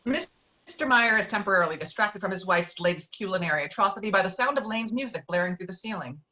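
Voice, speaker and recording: A woman's voice: medium pitch, expressive, fast, sharp tone, highs cut off. A woman reading screenplay stage directions as the narrator of a table read.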